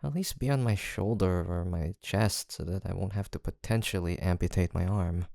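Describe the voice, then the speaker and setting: Low, creaky young best friend, acted by a man. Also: moderate pace, no echo, clean studio sound. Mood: drowsy mock complaint. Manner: casual, playful, murmured hesitations and soft laughs. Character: male college-aged best friend, teasing, softly affectionate. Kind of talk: intimate audio roleplay acting.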